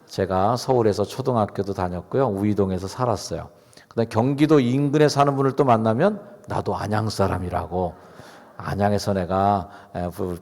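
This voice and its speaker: Low and a little mellow, this middle-aged pastor's voice carries a conversational sermon in which he questions the congregation directly. The setting is a church sanctuary, recorded with the long reverb of a church hall.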